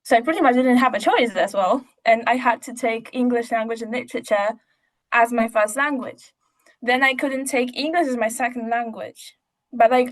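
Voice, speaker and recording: High-voiced young woman chatting. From Poland. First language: Polish. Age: young adult. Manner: chatty, informal, frequent asides. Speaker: interview guest, biochemistry student. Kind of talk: casual conversational interview answers.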